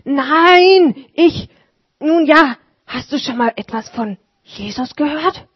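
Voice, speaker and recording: A woman voicing a kindly, excitable old male shoemaker in a storybook reading, speaking eagerly with a raised voice. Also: high voice, slow, no echo, voice pushed up. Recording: dull lo-fi recording.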